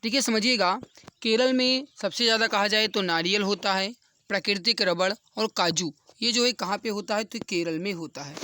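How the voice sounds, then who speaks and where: A man with a high, bright, forceful voice teaches an exam class. He works through quiz questions step by step and repeats key answers for emphasis. The sound is dry and close. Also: normal speed, no room sound. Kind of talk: explanatory quiz lesson for exam students.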